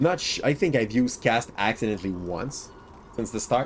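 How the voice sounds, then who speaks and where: A man with a Quebec accent at a moderate pace, with very wide pitch swings. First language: French. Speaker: gaming streamer and schoolteacher. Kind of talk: live gameplay stream chat. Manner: halting with fillers.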